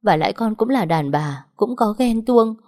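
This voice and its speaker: A woman's voice: mid-range voice, expressive, normal speed, darkish tone, voice pushed up, close to an everyday voice. A woman voicing a desperate young wife who pleads and sobs for forgiveness. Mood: pleading, tearful. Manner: tearful begging.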